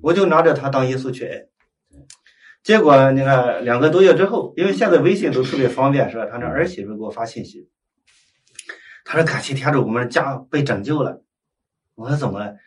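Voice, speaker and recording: A man leading Catholic prayer, telling a story in conversation and acting out the quoted dialogue with lively voices. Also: mid-range voice, a little fast, long pauses, distant mic.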